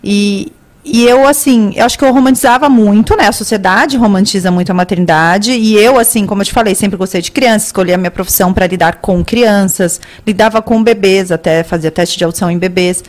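Woman in her forties, podcast guest telling her story, chatty and animated, mid-pitched voice. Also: brisk. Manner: animated, explains at length with many "assim" and "sabe". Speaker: guest, author. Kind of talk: casual podcast chat.

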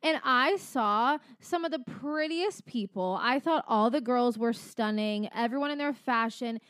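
A woman's voice: on the high side, a little slow, a bit bright, smooth, no echo. A young woman co-hosting a podcast, teasing and playful, with lots of filler words. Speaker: podcast co-host. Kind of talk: casual chat.

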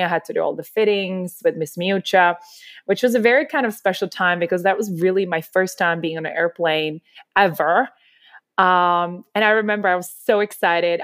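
A woman's voice: fairly low pitch, no room sound, clean studio sound. A woman, telling her story as a podcast guest in an enthusiastic, rambling way. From Czech Republic. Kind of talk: casual interview chat.

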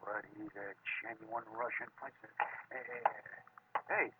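Jumpy, stammering pier bum. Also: male voice, on the low side, steady tone, slow pace. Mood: excitable. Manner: stammering, slangy. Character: twitchy, nosy pier bum, uneducated and easily spooked. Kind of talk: 1940s radio detective drama acting. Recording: noisy, muffled old radio recording.

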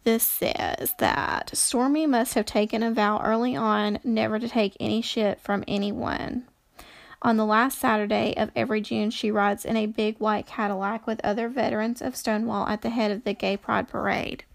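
A woman's voice: medium pitch, fairly even intonation, normal speed, creaky, dry recording. A woman reading book passages aloud at home in a casual way, with frequent fillers and self-corrections. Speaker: reader presenting history from books. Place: home room.

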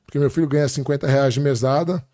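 A middle-aged man with a Brazilian Portuguese accent, a podcast guest telling lively family stories in casual talk and acting out the dialogue. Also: mid-range voice, fast talker, dry recording. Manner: animated anecdotes with quoted dialogue. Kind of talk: casual storytelling.

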